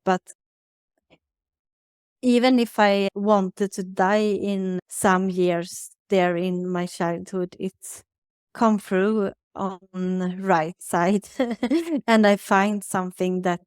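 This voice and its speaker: A Swedish woman in her thirties, a native Swedish speaker, talks haltingly in English as an interview guest, searching for words. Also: mid-range voice, clean tone, no room sound, clean studio sound. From Sweden. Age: 30s. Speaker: guest, spiritual advisor. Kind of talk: conversational interview.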